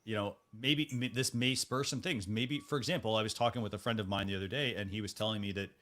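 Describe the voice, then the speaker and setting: Low-voiced man hosting a talk show. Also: fairly even intonation, quick pace, bright, forceful tone. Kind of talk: casual panel discussion.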